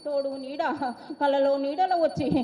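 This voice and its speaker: High-pitched woman oracle in prophetic trance, Telangana accent. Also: steady tone, moderate pace, mellow. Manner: prophetic trance voice, declaiming in short phrases. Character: mother goddess, commanding and protective of her children. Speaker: oracle speaking a prophecy as the goddess. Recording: echoey, reverberant hall sound.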